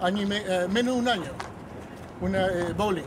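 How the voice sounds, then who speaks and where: Delivery is fairly slow with fairly even intonation. Noticeable background noise runs underneath. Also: man. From Peru, Lima; Peru. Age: 20s. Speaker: musician. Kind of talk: casual chat. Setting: outdoors. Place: street. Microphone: phone near.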